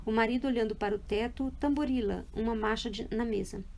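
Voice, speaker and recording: Woman narrator, literary audiobook, calm measured reading, fairly high voice. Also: gravelly. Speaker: audiobook reader.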